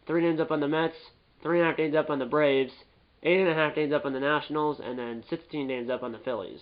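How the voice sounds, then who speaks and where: A man's voice: a little high, fairly even intonation, quick pace, lo-fi sound. A man with a stuffed-up nose from a cold, giving casual, rambling gameplay commentary and often repeating and correcting himself. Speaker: gaming YouTuber.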